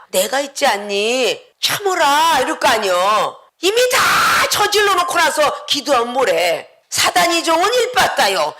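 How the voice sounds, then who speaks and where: A woman pastor giving a dramatic sermon, often shouting and acting out voices. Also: high voice. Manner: dramatic, acts out quoted voices, frequent shouting.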